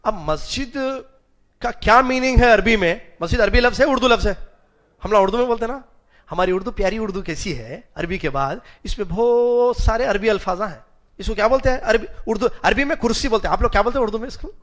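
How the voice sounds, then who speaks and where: اونچی آواز والا مرد استاد، طلبہ سے سوال کرتا ہوا. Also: male voice, sits high, a bit bright. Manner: questions the class and spells out Arabic root letters slowly; mixes English words into his speech. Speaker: religious teacher. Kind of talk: classroom lecture.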